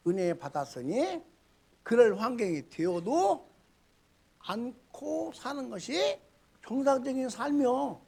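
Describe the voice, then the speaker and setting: A middle-aged man, a pastor, delivers a sermon in an everyday manner, bursting out loudly, muttering low, and asking his congregation rhetorical questions. He is very animated and speaks slowly, with a gravelly, breathy voice.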